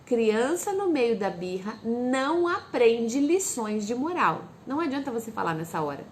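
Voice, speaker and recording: Woman with a high voice coaching parents on tantrums, answers her own questions, soft faint noise behind her. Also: moderate pace. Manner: acts out calm, soft lines a parent says to the child. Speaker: parenting educator. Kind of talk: direct-to-camera parenting advice.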